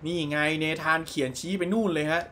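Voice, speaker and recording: A man casually commentating his own gameplay, excitedly explaining the on-screen dialogue as he plays. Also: fairly high pitch, a little fast. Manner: excitable, translates and explains game dialogue aloud. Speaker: gamer commentating a let's play.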